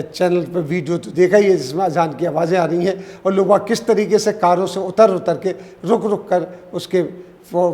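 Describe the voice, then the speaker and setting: Guy with a high voice doing news commentary, off the cuff, lots of restarts, long echo. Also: darkish tone. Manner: unscripted, with fillers and restarts.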